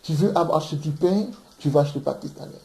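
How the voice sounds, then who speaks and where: A man's voice: fairly high pitch, quick pace, vocal fry, mellow. Emphatic Ivorian man preaching in echoey room. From Ivory Coast. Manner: emphatic, repeats words while searching for them. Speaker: preacher teaching scripture. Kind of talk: impassioned bible teaching. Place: room in London.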